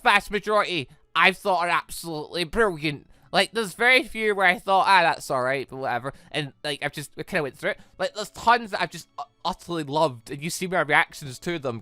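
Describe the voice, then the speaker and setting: A gaming YouTuber giving casual, rambling, expressive let's play commentary on a visual novel, speaking emphatically. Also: medium pitch, no echo. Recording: game music playing behind voice. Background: visual novel game music.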